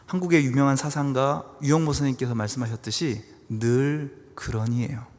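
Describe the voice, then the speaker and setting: A man pastor preaching a sermon, dramatic, acting out quoted taunts in a lowered voice. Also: fairly even intonation, a little fast, a little mellow. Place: church sanctuary. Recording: long hall reverb in a church.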